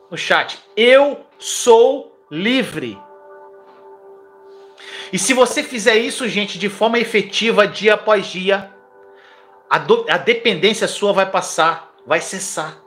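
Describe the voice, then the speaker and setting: A man's voice: high voice, a bit bright. A man preaching a live-streamed sermon, fervently urging listeners to repeat declarations aloud.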